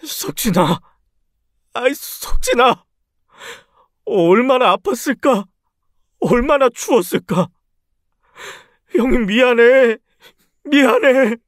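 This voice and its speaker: A grief-crazed husband bent on revenge in a story radio drama, raging and threatening. His voice sits notably high for a man, and the recording is close and dry with no room sound. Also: expressive, slow pace, long pauses, no echo, exaggerated voice. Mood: grieving.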